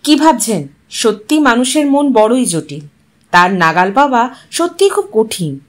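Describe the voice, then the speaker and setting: A woman narrating a literary story in an expressive, measured, dramatic way. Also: on the high side.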